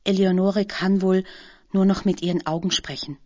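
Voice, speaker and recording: A woman's voice: medium pitch, fairly even intonation, moderate pace, mellow, highs cut off, close to an everyday voice. A woman voicing a polite, thoughtful old man who speaks courteously and reflectively, in a storybook reading. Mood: gentle.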